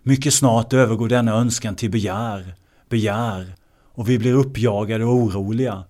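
A man teaching meditation in a measured way, often repeating key words. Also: on the low side, dark tone. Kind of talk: translated meditation discourse.

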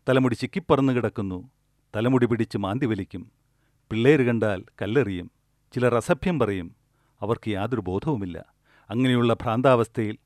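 A man giving a spoken dharma discourse, retelling an old story in a slow, measured way that often drops soft and low. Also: dry recording, clean studio sound.

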